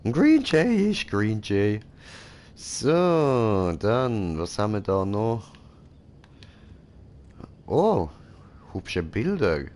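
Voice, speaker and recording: A man's voice: lowish voice, sing-song, extremely slow, pauses often, darkish tone. A man with a Swiss German accent giving casual, joking gameplay commentary and talking back at the game character. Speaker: let's play host.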